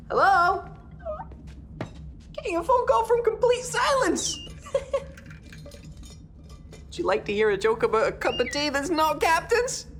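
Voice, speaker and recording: A woman voicing a cheerful, slightly slow cartoon crew member who giggles a lot. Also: very high voice, a bit bright, exaggerated voice. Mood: puzzled. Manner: giggly, drawn-out.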